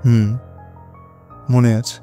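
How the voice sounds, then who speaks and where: A man's voice: mid-range voice, flat delivery, extremely slow, mellow. An anxious, hesitant man over music. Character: anxious, hesitant widowed lover narrating his own unease. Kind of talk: Bengali audio drama narration and dialogue. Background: dramatic music.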